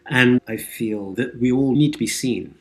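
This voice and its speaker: A man's voice: medium pitch, measured pace. A man speaking as an interview guest, reflective, earnest and articulate, like an actor and writer discussing his craft. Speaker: interview guest, actor and audio drama creator.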